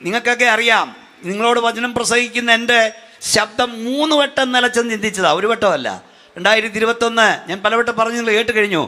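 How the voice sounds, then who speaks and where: Man preaching, from Kerala, middle-aged, high-pitched, bright, fervent, builds to shouts. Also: quick pace. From Kerala, India. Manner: fervent preaching, rising to shouts, urging clapping and praise. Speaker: pastor. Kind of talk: Malayalam Pentecostal sermon. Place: church gathering at night.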